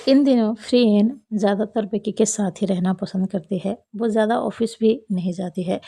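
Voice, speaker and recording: Gravelly dark-voiced woman narrating a story. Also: medium pitch. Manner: reads every character's lines in her own narrating voice.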